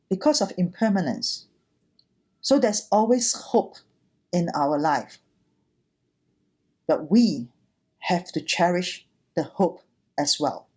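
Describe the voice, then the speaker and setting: Buddhist nun giving a talk, relaxed mellow voice, takes her time between short phrases. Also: on the low side. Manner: deliberate, short phrases with pauses, earnest. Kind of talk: sermon, gentle teaching talk.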